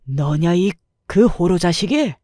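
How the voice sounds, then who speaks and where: Woman doing a gruff old man, blunt, commanding, mellow tone, dry close sound, storybook reading. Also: lowish voice, expressive, slow, no echo. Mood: indignant. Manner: blunt, commanding, speaks in plain short orders. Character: gruff elderly male neighbor, blunt and protective.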